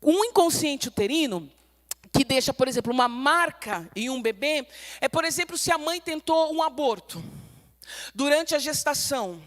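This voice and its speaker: A woman's voice: sits high, expressive, moderate pace. A middle-aged woman pastor with a Brazilian Portuguese accent, teaching a sermon in an emphatic way and acting out the voices she quotes.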